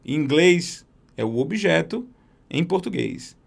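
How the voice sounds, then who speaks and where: A man teaching a beginner English class, patiently explaining grammar and slowly modelling words. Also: fairly high pitch, big pitch swings, gravelly.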